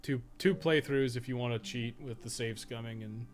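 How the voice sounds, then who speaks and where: A man's voice: medium pitch, normal speed. A man giving casual, rambling livestream game commentary, thinking aloud with some swearing and self-deprecation. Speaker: video game streamer and podcast co-host.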